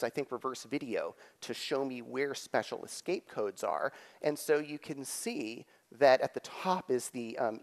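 Middle-aged male keynote speaker, live tech demo delivery, halting then emphatic, big-room reverb. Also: medium pitch. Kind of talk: live technical presentation with demonstrations. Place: on stage in a theater, at a lectern. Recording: echoey theater hall reverb.

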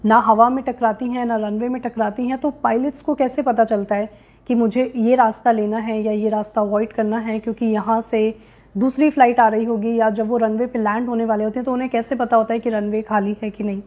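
Casting: young woman, slightly high voice, explanatory presenter who speaks straight to viewers. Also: fairly even intonation, brisk, darkish tone. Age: young adult. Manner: explanatory, direct address to viewers. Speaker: host of career guidance videos. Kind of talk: explainer to camera, mixing Hindi with English terms. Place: small indoor room with curtains, seated.

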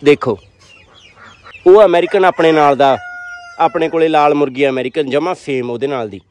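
A man talks in a casual vlogging style, narrating what he films. His voice sits a little higher than usual. He is recorded on a handheld phone in an open farm shed, with chickens clucking faintly behind him. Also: moderate pace, a little mellow. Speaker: vlogger filming a poultry farm visit. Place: open-sided brick poultry shed and yard. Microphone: handheld phone, behind the camera. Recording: birds clucking, outdoor farm noise. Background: chickens clucking, roosters.

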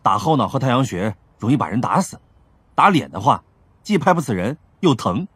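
An actor playing a self-assured, amused police captain with a leisurely, teasing manner in an audio drama. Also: male voice, mid-range voice, very animated, fairly quick, a bit bright, husky, no echo. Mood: instructive.

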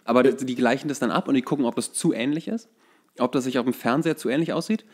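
A male podcast co-host speaks at a medium pitch. His delivery is conversational and explanatory, with hesitant phrasing as he works out each point. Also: quick pace. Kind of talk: casual chat, explaining football.

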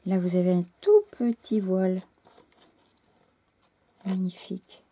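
A French woman hosting a scrapbooking channel, gushing in casual chat to camera, halting and losing her words, her voice going hoarse. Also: mid-range voice, dark tone.

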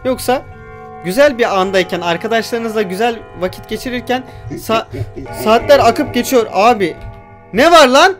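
A man's voice: very high-pitched, normal speed, faint music behind. A young man giving casual let's-play commentary on a horror game, jumpy, swearing and talking back at the game's creatures. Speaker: gamer.

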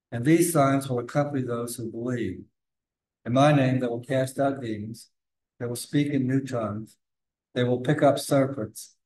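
A man's voice: mid-range voice, darkish tone, poor audio. Older man reading scripture aloud. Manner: plain, careful reading aloud. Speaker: lay reader. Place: large cathedral sanctuary, indoors. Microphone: far camera.

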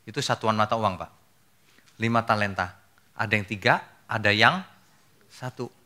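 Man preaching with a very bright voice. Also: on the low side, normal speed. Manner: emphatic, rhetorical questions to the audience; colloquial and conversational. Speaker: pastor. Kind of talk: teaching sermon.

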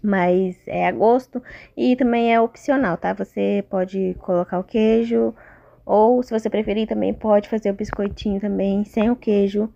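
A woman's voice: mid-range voice, steady tone, normal speed, vocal fry, dark tone, highs cut off. Chatty Brazilian woman sharing a recipe. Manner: chatty, informal, often checking in with listeners. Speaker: home cooking vlogger. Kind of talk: casual recipe narration.

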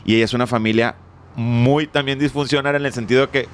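A man's voice: medium pitch, fairly even intonation, fast talker, clean tone. A middle-aged man telling stories as an interview guest, joking and swearing casually. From Mexico. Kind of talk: casual storytelling.

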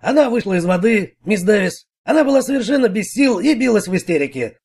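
Man reading a gruff middle-aged bricklayer, quarrelsome, defensive, fairly high voice. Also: lively intonation, fairly quick, darkish tone, heavily acted. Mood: recounting.

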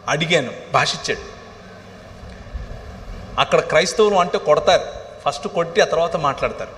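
A man's voice: on the high side, a bit bright. Impassioned middle-aged man preaching in a hall. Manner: impassioned storytelling, swelling to cries. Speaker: pastor. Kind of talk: sermon testimony. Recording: reverberant hall, faint ambient noise.

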